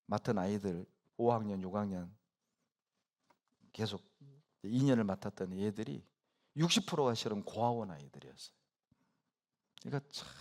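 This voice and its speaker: A middle-aged man preaching a sermon as pastor, telling stories with sudden loud bursts and hushed asides. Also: mid-range voice. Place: church sanctuary.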